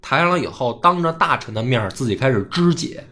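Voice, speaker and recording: A man tells a history tale with a lively voice that leaps up and down. He acts out the quoted lines and swears casually. Faint music plays underneath. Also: medium pitch, fast talker. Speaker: history podcast host. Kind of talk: casual storytelling chat.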